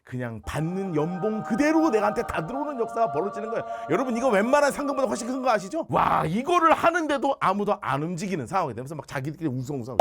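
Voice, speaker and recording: Animated high-voiced pastor teaching scripture. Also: male voice, fast, few pauses, music in the background. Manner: animated, playful, acts out scenes. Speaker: pastor and Bible lecturer. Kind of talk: lively storytelling Bible lecture.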